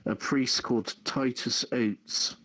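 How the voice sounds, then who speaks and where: A man hosts a radio show, reading news items aloud in an informal way. He speaks slowly at a middle pitch, halting often and repeating words as he stumbles. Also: fairly even intonation, fairly bright tone, poor audio.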